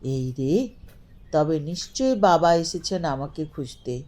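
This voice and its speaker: A woman's voice: deep voice, expressive, takes it slowly, dark tone. A woman storyteller voicing an earnest schoolboy who speaks in exclamations. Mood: worried. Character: schoolboy narrator, eager, earnest and distressed.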